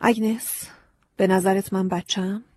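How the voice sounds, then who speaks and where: A woman voicing a scarecrow come to life as a grown man, curt and aloof, in a breathy storybook reading. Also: medium pitch, level tone, darkish tone, dry recording, clean studio sound, lightly acted.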